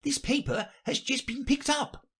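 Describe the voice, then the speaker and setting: High-pitched white rabbit, fussy, timid, deferential, hurried, storybook character, acted by a narrator. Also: sing-song, sharp tone, husky, exaggerated voice. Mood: anxious, deferential.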